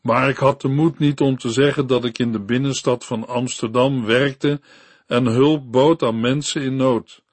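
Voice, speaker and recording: A man reading a devotional story and sermon for a radio Bible program, in a slow, earnest storytelling manner. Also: medium pitch, fairly even intonation, no room sound.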